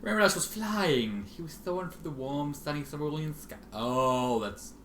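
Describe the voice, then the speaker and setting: A man reading fan fiction aloud in an expressive, sardonic manner, with casual asides. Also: a little high, normal speed. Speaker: amateur fan fiction reader. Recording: roomy, faintly noisy home recording.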